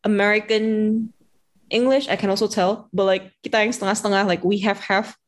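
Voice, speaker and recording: A woman's voice: mid-range voice, steady tone, brisk. A young woman from Indonesia with a light Indonesian accent, chatting casually with friends, laughing often and repeating words as she talks. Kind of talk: casual chat.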